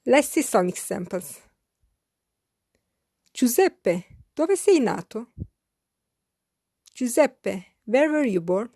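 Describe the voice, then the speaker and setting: Slow, careful woman teacher. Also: fairly high pitch, sing-song, dark tone, breathy edge, no echo, clean studio sound. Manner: slow, careful enunciation with repeated phrases. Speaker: language teacher. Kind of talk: slow scripted language lesson.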